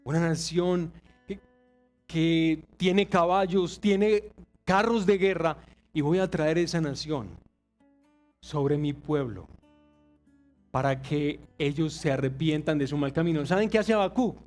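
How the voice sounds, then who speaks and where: Man, thirties, pastor, earnest sermon, slightly high voice, faint guitar behind. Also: fairly even intonation, slow, long pauses, darkish tone. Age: 30s. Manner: earnest, confessional, acts out quoted voices.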